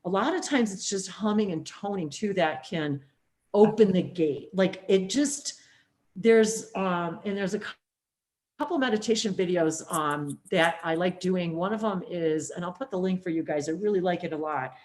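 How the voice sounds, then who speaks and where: A woman's voice: fairly low pitch, normal speed. Rambling woman host, spiritual chat. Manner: rambling, animated, lots of fillers. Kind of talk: casual spiritual interview chat.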